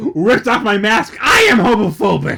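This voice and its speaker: A put-on character voice from a man, pitched high, moving at a moderate pace. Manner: dramatic, villainous reveal.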